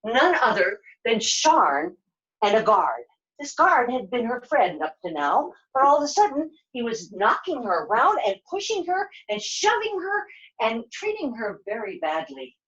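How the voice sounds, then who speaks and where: Female puppet-show storyteller: dramatic, emphatic, unhurried, very animated intonation, slightly dull live recording. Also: on the high side.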